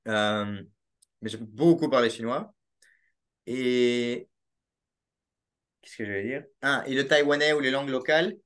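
A young Belgian man with a Belgian French accent is a podcast guest on a casual video-call interview, speaking haltingly with lots of fillers and restarts. He uses a laptop webcam mic in a small room at home. His voice is medium-pitched with a fairly bright, clean tone.

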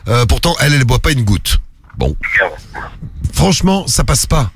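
A man hosting a radio phone-in with lively casual banter and blunt, informal slang, close on a studio microphone. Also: mid-range voice, normal speed, slight background noise. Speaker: radio show host.

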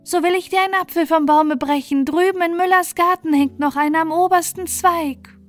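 A woman's voice: very high voice, steady tone, moderate pace, soft background music, pitched above the performer's own voice. A woman doing an eager helpful falcon.

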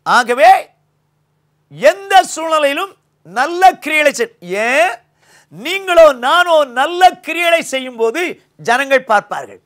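High-voiced older Tamil pastor preaching. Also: male voice, lively intonation, unhurried, long pauses. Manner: preaching, swings between loud high emphasis and low quiet lines. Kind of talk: sermon. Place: small studio set, indoors. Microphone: lapel mic.

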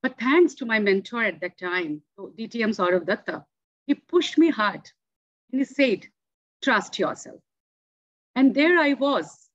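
A woman in her forties whose first language is Hindi speaks with earnest emphasis, her voice a touch high. The video call audio is dull and lo-fi, and the sound is dry and close. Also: dry recording. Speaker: club member answering a table topic. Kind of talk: impromptu speech. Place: home room.

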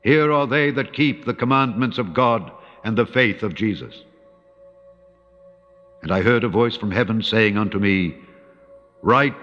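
A low-voiced man reads scripture slowly and solemnly, drawing out key phrases. His voice rings in a long reverb, with a dull, muffled sound and faint music underneath. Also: fairly bright tone. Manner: measured, solemn delivery, slowing for emphasis and rising when quoting angels. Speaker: Bible reader. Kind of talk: dramatic scripture reading.

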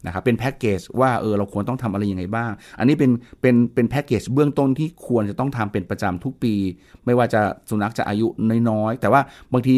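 A man who is a veterinarian, explaining pet checkups as an interview guest in a brisk, informative way. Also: medium pitch, darkish tone. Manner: fast, informative, with restarts.

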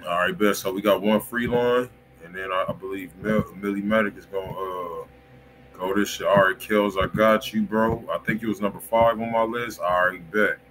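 A man's voice: on the low side, fairly even intonation, normal speed, a bit bright, rough recording. An American man hosting a music livestream, chatting casually in heavy slang and saying "bro" often, in a small indoor room. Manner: slangy, peppered with "bro" and filler repeats. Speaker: host of a music review livestream. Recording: clear background noise, room ambience.

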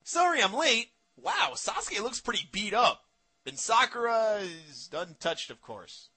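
A man voicing a loud, brash teenage boy ninja in a fan parody dub, shrill and sarcastic. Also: big pitch swings, a little slow, slightly rough, full character voice.

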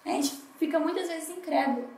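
A woman's voice: sits high, brisk, darkish tone, distant mic. A woman with a Brazilian Portuguese accent giving a heartfelt morning devotional sermon at a church congress, voicing her own prayers as she speaks. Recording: roomy hall, voice a bit off the mic.

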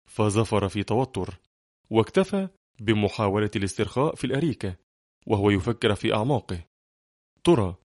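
Low-voiced male audiobook narrator. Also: dry recording, clean studio sound. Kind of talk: scripted narration.

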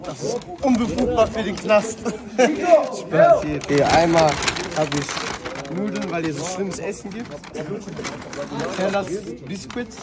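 A man's voice: high voice, sing-song, takes it slowly, long pauses, a loud crowd. A young man teasing his friends playfully in a group vlog inside a prison-themed hotel. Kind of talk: joking group vlog chat.

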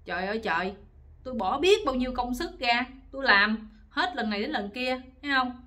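A woman's voice: brisk, a bit bright, natural voice. A woman voicing an exasperated older wife who scolds her husband. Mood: scolding. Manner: shrill, scolding complaints.

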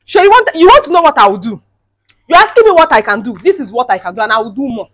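A woman's voice: fairly high pitch, expressive, very fast, bright, forceful tone, breathy edge, full character voice. A woman playing a fiery young wife who rants and scolds, repeating herself. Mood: furious. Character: fiery young wife feuding with her mother-in-law. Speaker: skit actor. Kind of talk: comedy skit acting.

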